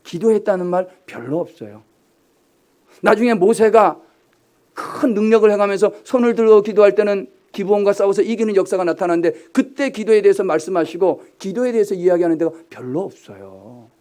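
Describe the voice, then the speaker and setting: A man preaching a sermon as pastor, swinging between emphatic high exhortations and quiet low asides, often asking the congregation rhetorical questions. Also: a little fast.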